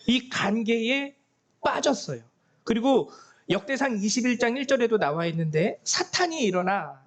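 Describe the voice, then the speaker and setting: Male pastor, high voice, emphatic sermon delivery with repeated words and acted-out quotes.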